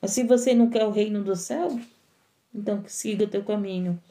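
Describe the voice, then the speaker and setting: A woman's voice: medium pitch, fairly quick, mellow. A woman missionary preaching a sermon on a live stream, repeating her points and calling out praise. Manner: repetitive, exclamatory preaching with acted complaints.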